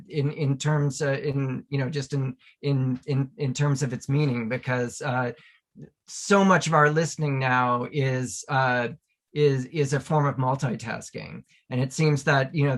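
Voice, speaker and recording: A male academic panelist talking conversationally, haltingly, often repeating words as he searches for the next phrase. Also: medium pitch, a bit bright.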